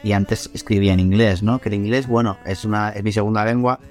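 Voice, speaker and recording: Low-voiced musician from Spain, reflective. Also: male voice, steady tone, fast talker, a little mellow, faint music behind. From Albacete, Spain. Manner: reflective, hesitant, repeats words. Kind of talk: interview answers.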